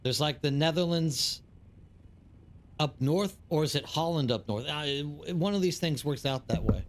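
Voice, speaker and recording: A man's voice: a little high, measured pace, a little hiss or hum. A man from East Texas with an American accent, chatting casually and ramblingly with viewers as he streams a game. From East Texas, United States. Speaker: live streamer. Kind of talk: casual chat with livestream viewers while gaming.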